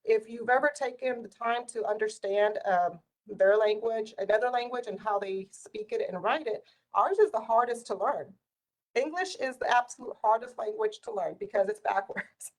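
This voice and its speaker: A woman's voice: on the high side, normal speed, poor audio. A middle-aged woman, a native Spanish speaker, telling stories in a casual, conversational way and acting out quoted dialogue. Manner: animated retelling with quoted dialogue. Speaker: community volunteer sharing life stories.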